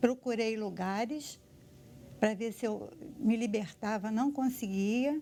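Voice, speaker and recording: A woman's fairly high voice at a very slow pace, with long, frequent pauses and ordinary pitch variation. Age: 70s. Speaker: church member. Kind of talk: testimony.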